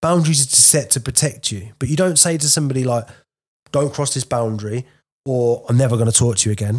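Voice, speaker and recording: Somewhat breathy, a man speaks at a very fast pace in a medium pitch with ordinary pitch variation. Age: 30s. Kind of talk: casual chat.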